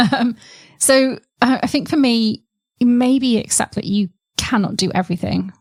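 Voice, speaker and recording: A woman's voice: a little high, a little slow, dry recording. A woman in a casual podcast conversation, speaking candidly and reflectively, with self-mocking laughter.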